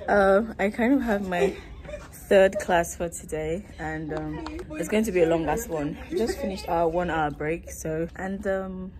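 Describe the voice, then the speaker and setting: A woman's voice: on the low side, a little mellow. A woman in her twenties from Nigeria, with a Nigerian accent, chatting casually as a vlogger into a phone held at arm's length. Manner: chatty, quick asides. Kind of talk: casual vlog chat.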